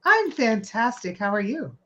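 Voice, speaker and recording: A woman's voice: a little high, very animated, a little slow, bright, forceful tone, slight background noise. Chatty woman on dull, lo-fi audio. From Canada. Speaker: guest mental health expert, social worker. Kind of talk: informal talk to an audience. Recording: dull lo-fi sound.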